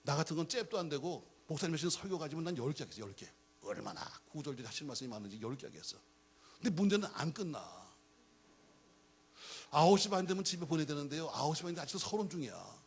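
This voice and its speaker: A man's voice: a little high, fast, breathy edge. A middle-aged man preaching a sermon as a pastor, telling jokey stories and acting out the dialogue. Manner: animated, jokey storytelling with acted-out dialogue.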